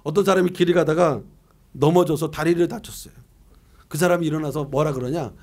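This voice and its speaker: A man's voice: fairly high pitch, steady tone, brisk, a little mellow. A middle-aged man preaching a year-end sermon as pastor, reading scripture aloud and asking and answering his own questions in a conversational way.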